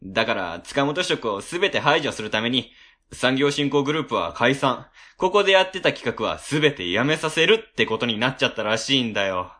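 A man playing a flustered, excitable ward office worker in a radio drama. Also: mid-range voice, a little fast. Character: flustered, excitable male civil servant. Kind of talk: amateur web radio drama acting.

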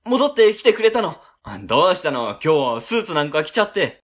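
A man playing a flustered, excitable ward office worker in a radio drama. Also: high-pitched, a little fast. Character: flustered, excitable male civil servant. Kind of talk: amateur web radio drama acting.

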